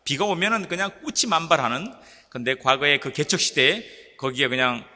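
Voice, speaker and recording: A man's voice: a little high, fairly quick. A male pastor preaching a sermon and telling stories that he jokes about with the congregation. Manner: animated storytelling preacher, joking with the congregation. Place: church sanctuary. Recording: echoey church hall.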